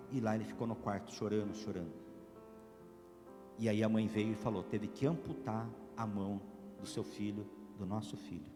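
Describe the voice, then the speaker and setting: A man, a priest giving a sermon, telling a story dramatically, swinging between loud preaching and hushed narration. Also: on the low side, big-room sound. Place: church.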